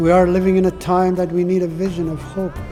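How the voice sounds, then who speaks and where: Music plays in the background as a man speaks. His pitch is high and his pace moderate. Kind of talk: spiritual message reading.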